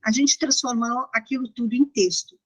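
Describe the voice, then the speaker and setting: Higher-voiced São Paulo Brazilian woman lecturer. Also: fairly even intonation, normal speed, slightly rough, poor audio. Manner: didactic, conversational, checks in with listeners. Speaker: university lecturer. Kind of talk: informal interactive lecture.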